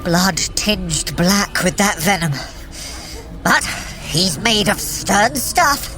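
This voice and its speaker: Boastful sorcerer trickster, lively swooping delivery, wry, imperious, audio drama coaching, prominent music bed. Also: female voice, mid-range voice, extremely slow. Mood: wry, taunting. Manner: theatrical, haughty, wry. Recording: loud music under the voice.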